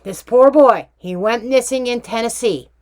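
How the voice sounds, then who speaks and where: A woman's voice: fairly high pitch, normal speed. A woman hosting a casual true crime tarot reading vlog, chatty and emphatic with slangy asides. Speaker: tarot reader and true crime channel host.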